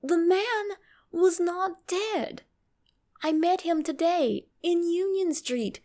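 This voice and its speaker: A woman's voice: extremely high pitch, slow, darkish tone, voice pushed up. A woman voicing an uneasy, formal man who recounts an uncanny apparition in a dramatic horror reading. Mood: insistent, unsettled.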